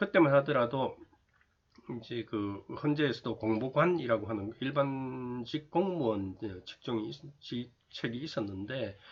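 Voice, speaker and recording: A man's medium-pitched voice with lively intonation at a very slow pace. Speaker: constitutional law scholar. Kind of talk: casual talk to camera. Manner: hesitant, many fillers.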